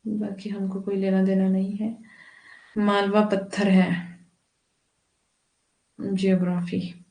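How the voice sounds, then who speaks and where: A woman's voice: medium pitch, level tone, slow pace, darkish tone, roomy sound. A woman teacher talking to her students in an online class, giving firm, instructive advice and addressing them fondly.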